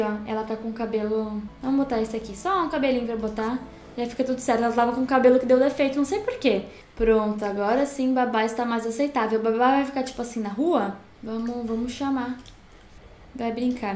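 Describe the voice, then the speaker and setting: A woman's voice: sits high, echoey room. A Brazilian woman with a Brazilian Portuguese accent gives chatty, gushing let's-play commentary and talks to her viewers. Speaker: gaming YouTuber.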